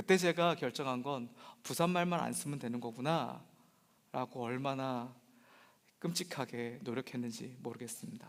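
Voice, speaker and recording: This man speaks at a moderate pace and medium pitch. He leaves long, frequent pauses. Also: ordinary pitch variation. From South Korea, Busan then Seoul. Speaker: pastor. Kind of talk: sermon.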